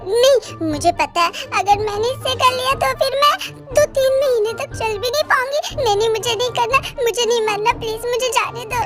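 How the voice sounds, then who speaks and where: A woman's voice: very high-pitched, brisk, few pauses. A woman doing a shy, panicky young girl. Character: shy, timid young woman, easily scared. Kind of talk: Hindi fan dub acting. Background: background music.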